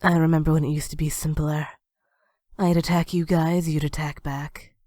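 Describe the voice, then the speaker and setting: A woman's voice: deep voice, flat delivery, normal speed, mellow, no room sound, studio quality, close to an everyday voice. A woman playing a cynical, world-weary young former villain turned hero, wry and cool, in an amateur audio drama. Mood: wistful, jaded.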